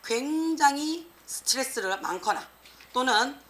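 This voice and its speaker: A woman English teacher giving an exam prep lecture, lively and slangy, peppering students with rhetorical questions. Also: high voice, measured pace. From South Korea.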